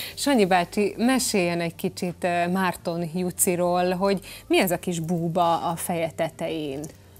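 Speaking in a plain, everyday voice, a woman talks at a fairly slow pace with a fairly low pitch and ordinary pitch variation. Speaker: TV magazine presenter; TV presenter. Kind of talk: TV magazine presenting. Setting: studio. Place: studio.

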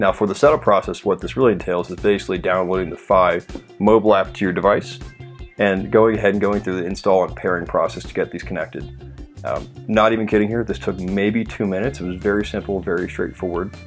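A man talks at a very fast pace with a fairly low pitch and ordinary pitch variation. Faint music plays in the background. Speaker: product reviewer. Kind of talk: product review talk. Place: home room.

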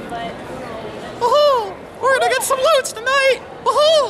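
At a moderate pace, a put-on character voice pitched extremely high speaks over noticeable background noise. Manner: goofy, excited.

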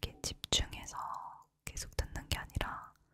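A woman whispers at a very slow pace. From Korea. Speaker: ASMR creator. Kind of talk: ASMR whispering about daily routine and audiobooks. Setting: ASMR microphone with nail tapping sounds. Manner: whispered, soft-spoken. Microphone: studio mic.

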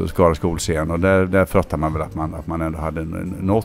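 Music plays in the background as a man talks at a very fast pace. His pitch shows ordinary variation. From western Sweden, Lerum near Gothenburg. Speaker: actor. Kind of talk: interview. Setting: hotel lobby.

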